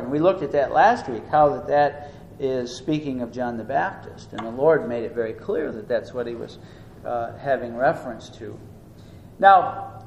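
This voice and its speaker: A man preaching a sermon. He teaches earnestly, rising and slowing down for emphasis. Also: high-pitched. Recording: echoey room with faint noise.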